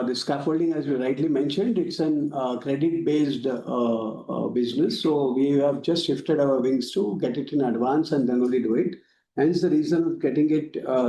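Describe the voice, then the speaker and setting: A man with an Indian accent giving formal, halting explanations as a company executive on a business call. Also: mid-range voice, dark tone. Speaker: company executive answering questions. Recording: echoey room on conference call.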